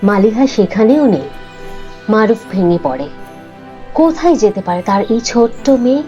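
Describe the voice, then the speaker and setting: A woman's voice: medium pitch, animated, moderate pace, mellow, highs cut off, faint music behind. A woman narrating a scripted cartoon story.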